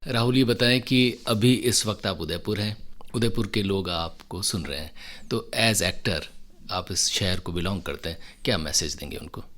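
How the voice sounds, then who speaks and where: Deep-voiced man asking radio questions. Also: moderate pace, a bit bright. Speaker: radio interviewer.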